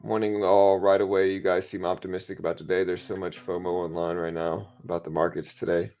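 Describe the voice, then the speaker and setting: A man with a raspy voice hosting a live trading stream, talking to chat in a laid-back, slangy way. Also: deep voice, flat delivery, fairly quick, a little mellow. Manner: laid-back, slangy, addressing viewers as bro. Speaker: livestream host, stock trader. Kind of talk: casual live market commentary with chat. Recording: music playing behind the voice. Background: music.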